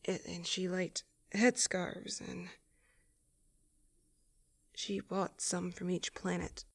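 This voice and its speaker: A woman playing a gruff, weakened female space courier in an audio drama, terse, grumbling and strained. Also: on the low side, flat delivery, slow pace, exaggerated voice. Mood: irritated, wistful.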